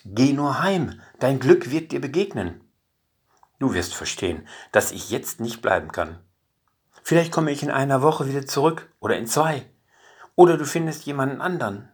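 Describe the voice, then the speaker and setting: A male storyteller voicing a hurried traveling man in a fairy tale, polite but evasive, in a raised, brighter voice. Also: medium pitch, lively intonation, breathy edge, voice pushed up.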